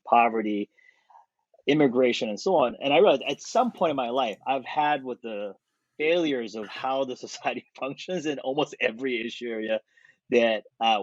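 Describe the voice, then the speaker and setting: A man in his thirties from South Korea, a podcast guest talking thoughtfully and with energy, pausing on fillers. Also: mid-range voice, no echo. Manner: thoughtful, animated, with frequent fillers and laughs. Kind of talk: conversational interview. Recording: dry, slightly dull podcast audio.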